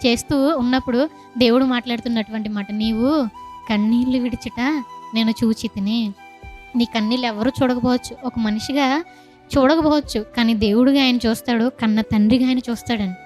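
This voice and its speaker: A woman's voice: a little high, fairly even intonation, a little fast, a little mellow, soft background music. Telugu-accented woman preaching a sermon. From South India. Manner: storytelling with rhetorical questions and acted-out voices.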